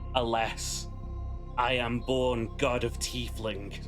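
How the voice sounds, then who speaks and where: A man uses a booming, put-on character voice at a very slow pace. Loud music plays in the background. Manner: grand, declaring.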